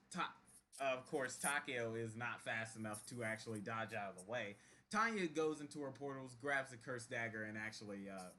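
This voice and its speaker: A man narrating as game master in casual, halting speech that often breaks into chuckles. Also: mid-range voice, bright, forceful tone, a little hiss or hum.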